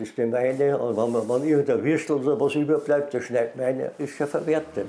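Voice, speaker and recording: A man with an Upper Austrian accent speaks at a moderate pace in a fairly high voice, his intonation fairly even. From Upper Austria (Eferding). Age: 80s+. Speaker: retired cook, food blogger. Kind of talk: interview answer. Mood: warm, enthusiastic. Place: kitchen. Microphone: lapel.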